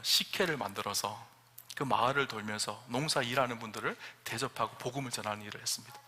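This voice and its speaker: A man's voice: medium pitch, sharp tone. A middle-aged male senior pastor telling a story in a sermon, acting out the dialogue and rising to emphatic questions. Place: church sanctuary. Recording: long church hall reverb.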